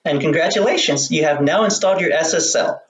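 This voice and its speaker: An echoey, slightly distant recording of a man in his thirties. He gives scripted, step-by-step technical instructions in a small room, speaking at a medium pitch. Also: lively intonation, brisk. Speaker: web hosting support expert.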